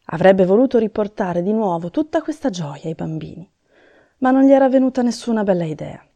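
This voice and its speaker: Gravelly, mellow woman telling a story. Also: medium pitch, lively intonation, a little fast, no room sound, muffled recording. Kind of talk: children's storybook narration.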